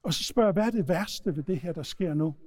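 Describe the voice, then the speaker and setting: A man preaching a sermon, retelling stories in a lively storytelling manner. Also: sits high. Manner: storytelling, animated retelling with shouted quotes. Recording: long hall reverb.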